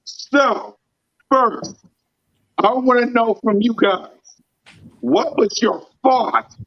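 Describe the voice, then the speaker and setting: High-voiced hype podcast host, scratchy voice. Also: male voice, no room sound, highs cut off. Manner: excited, hype fan talk. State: scratchy voice from screaming. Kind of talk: casual sports podcast chat.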